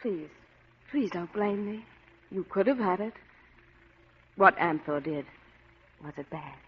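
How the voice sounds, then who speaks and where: An actress playing a coy, manipulative glamorous wife in a 1940s-style radio drama. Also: female voice, lowish voice, expressive, slow, slightly rough, heavily acted. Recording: dull lo-fi old radio recording.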